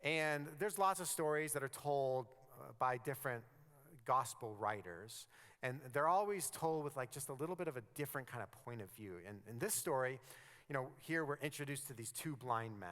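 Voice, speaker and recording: A man preaching a sermon as pastor, conversational and animated, sometimes dropping to a near-whisper for emphasis. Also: medium pitch, moderate pace. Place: church sanctuary. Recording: long reverb of a church hall.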